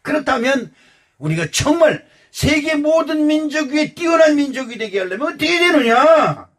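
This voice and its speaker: An older man preaching a sermon as pastor, animated and loud, acting out quotes with bursts of shouting. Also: very high voice, normal speed. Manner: animated, acts out quotes in exclamations.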